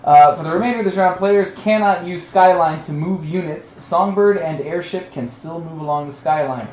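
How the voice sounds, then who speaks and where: A man's voice: on the high side, moderate pace, darkish tone. A man playing and co-hosting a tabletop game stream, with casual, wry and sometimes profane banter. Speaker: player and co-host on a game stream. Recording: roomy, dull audio with faint noise.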